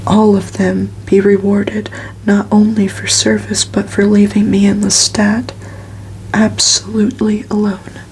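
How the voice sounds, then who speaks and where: Female ASMR reader: whispered, even, slow storybook delivery with a crackly edge, faint ambient noise. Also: mid-range voice, gravelly. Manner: hushed, unhurried, soothing whisper. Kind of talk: whispered ASMR audiobook reading.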